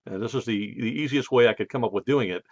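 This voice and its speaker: American guy doing a casual podcast, kinda slurry numb mouth after dentist, medium pitch, bit muffled lo-fi sound. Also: quick pace, a little mellow, dry recording. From United States. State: left side of face numb from dental visit. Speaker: podcast host. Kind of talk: casual monologue to camera.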